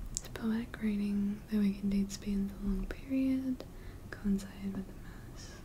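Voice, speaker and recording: Noticeable background noise can be heard. The speaker talks fairly slowly. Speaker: ASMR creator; university student. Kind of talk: mumbled reading of study notes. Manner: mumbling.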